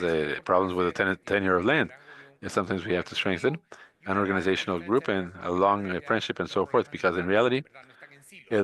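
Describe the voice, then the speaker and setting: A Costa Rican man with a deep, fairly bright voice gives a conference presentation in English, his second language. He sounds hesitant, with many filler "uh"s and restarts.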